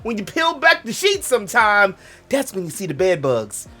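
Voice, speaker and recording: A man's voice: sits high, wildly swooping pitch, normal speed, pushed and bright, soft background music. A young man with a Black American accent hosting a gaming channel, talking in a loose, joking, digressive way that keeps interrupting itself. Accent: African American English. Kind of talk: rambling casual monologue.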